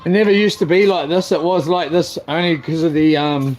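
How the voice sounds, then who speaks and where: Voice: mid-range voice, brisk, a little mellow. Someone with a broad New Zealand accent chatting casually in laid-back slang while doing chores. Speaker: home vlogger. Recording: clearly noisy amateur recording.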